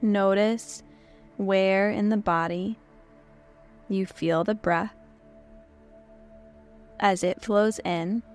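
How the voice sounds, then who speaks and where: A woman with a hoarse, worn-down voice, hosting a podcast and gently guiding a yoga nidra meditation with soft, slow instructions and long pauses. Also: mid-range voice, steady tone, soft background music. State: hoarse, losing her voice. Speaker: podcast host and meditation guide.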